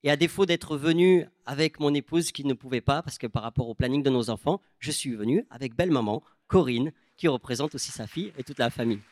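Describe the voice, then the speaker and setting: A young man from the south of France with a southern French accent, preaching a sermon and telling stories with lively quoted voices. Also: mid-range voice, a little fast, few pauses, dry recording. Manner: animated storytelling, quoting people in changed voices.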